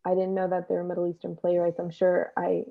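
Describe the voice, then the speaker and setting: A young woman chats reflectively as a guest, through thin phone-like audio. Her voice is gravelly with fry and stays very even in pitch. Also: fast. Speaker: actor, panel guest. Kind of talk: casual reflective interview chat. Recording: tinny, phone-like call audio.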